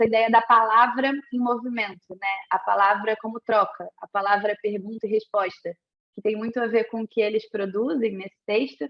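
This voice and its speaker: This woman talks at a moderate pace with a fairly high pitch and fairly even intonation. Her loudness swings widely. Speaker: historian and researcher. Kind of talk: lecture. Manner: hesitant, many fillers.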